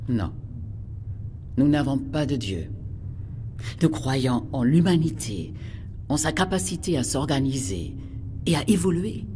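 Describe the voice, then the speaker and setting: A woman's voice: extremely low pitch, big pitch swings, measured pace, long pauses, dark tone, a little hiss or hum, heavily acted. An actress playing an earnest, idealistic female scientist from a future planet in an audio drama, questioning sincerely and with some hesitation. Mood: earnest, troubled. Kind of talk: audio fiction dialogue.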